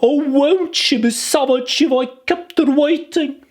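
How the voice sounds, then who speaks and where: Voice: sits high, a little slow, voice pushed up. A storybook narrator voicing a fussy, anxious male white rabbit who mutters in flustered exclamations. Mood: panicky.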